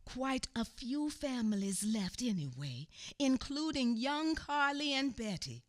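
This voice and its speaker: A woman playing a grieving Black Southern narrator who recounts her family's tragic history with emotive, halting delivery and murmured asides. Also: sits high, sing-song. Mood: impassioned. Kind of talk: dramatic radio theatre storytelling.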